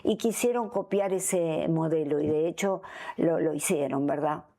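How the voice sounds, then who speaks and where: A woman hosts an interview in a conversational, explanatory way. Her voice is fairly low and mellow, with a dark colour. She often tags her points with a small question to seek agreement. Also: normal speed, gravelly. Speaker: interview host.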